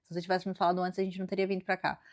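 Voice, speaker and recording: A woman's voice: on the low side, completely flat delivery, rapid-fire, natural voice. Woman voicing a breezy, proud young Eve. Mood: firm. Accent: Brazilian Portuguese. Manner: breezy, self-assured, a bit indignant.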